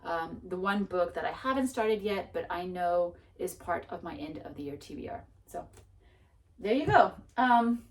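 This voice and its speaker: A woman's voice: lowish voice, lively intonation, normal speed, far from the mic. A woman book vlogger chatting casually about her reading plans, self-mocking, with frequent restarts and laughter. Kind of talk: casual chat.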